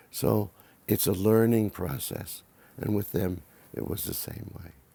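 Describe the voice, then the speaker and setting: A man's dark, mellow, fairly low voice with vocal fry, ordinary pitch variation and a fairly slow pace. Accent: American. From United States. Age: 80s+. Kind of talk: interview answer.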